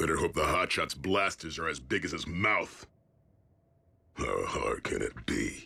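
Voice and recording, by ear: A man's cartoonish character voice at a moderate pace, broken by long, frequent pauses.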